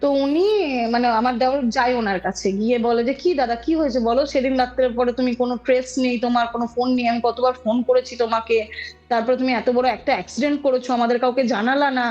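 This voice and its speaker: A woman's voice: a little high, fairly even intonation, fast, darkish tone. A woman telling an eerie story conversationally as a podcast guest, acting out quoted dialogue and checking back with her listener. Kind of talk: conversational storytelling of an eerie real-life incident. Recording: dull lo-fi audio with music behind. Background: music.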